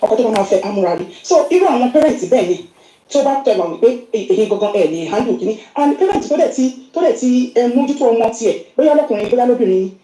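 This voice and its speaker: A woman's voice: a little high, expressive, rapid-fire, dark tone. A middle-aged woman with a Yoruba accent, sending an earnest voice message that is played on the show and mixing English into her talk. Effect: recorded voice message played on the show. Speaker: caller sending a voice note. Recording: roomy voice message.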